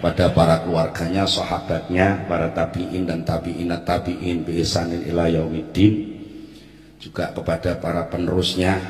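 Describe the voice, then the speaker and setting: A man's very deep, low voice in a flat monotone, moderate in pace, with audible room echo. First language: Javanese (speaking Indonesian). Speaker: Islamic cleric. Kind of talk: religious lecture. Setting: religious gathering with audience.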